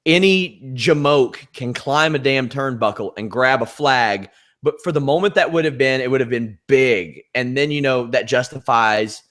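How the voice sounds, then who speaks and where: A man with a noticeably nasal voice chats casually as a podcast co-host. His delivery is wry and sarcastic, and his pitch sits in an ordinary middle register. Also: a bit bright. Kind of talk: casual wrestling chat.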